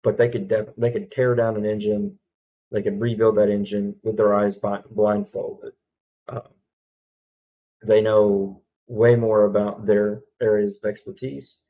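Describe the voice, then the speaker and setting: A man from Alabama with a Southern accent, reacting to a video in casual commentary, halting with many ums and restarts. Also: fairly low pitch, level tone, phone-quality sound.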